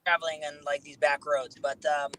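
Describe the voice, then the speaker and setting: A man talking casually over a video call from a moving vehicle, his connection choppy and breaking up into halting, cut-off phrases. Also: on the high side, little pitch movement, pushed and bright, a little hiss or hum, poor audio. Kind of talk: casual chat. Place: in a moving vehicle on back roads.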